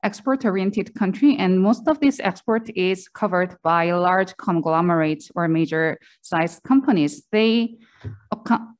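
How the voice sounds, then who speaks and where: A woman delivering live consecutive interpretation into English, voicing a presenter's talk in the first person. Her pitch sits mid-range, and she makes small restarts as she keeps pace with the speaker. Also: a little mellow. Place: conference seminar room.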